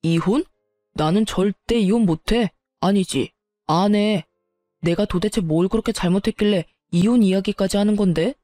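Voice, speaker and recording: A sneering, arrogant married man who answers every complaint with dismissive insults, voiced by a woman reading a storybook tale. The tone is soft and mellow, recorded dry and close. A faint music bed plays underneath. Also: mid-range voice, moderate pace, dry recording, close to an everyday voice. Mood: contemptuous.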